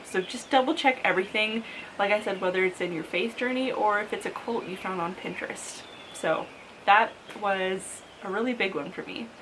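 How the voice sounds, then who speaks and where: A thirty-year-old woman sits down to chat with her viewers in a relaxed, friendly vlog. Her pitch sits in a middle range, and her talk is loose and full of "like." A faint hiss runs under her voice. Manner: chatty, frequent "like" fillers, upbeat with light laughs. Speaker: lifestyle vlogger. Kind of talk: casual sit-down talk to camera.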